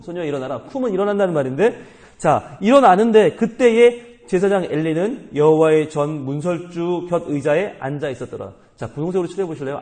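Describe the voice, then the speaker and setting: Male pastor, sermon, animated and humorous, slightly high and mellow, reverberant hall. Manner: animated, humorous, engages congregation with questions.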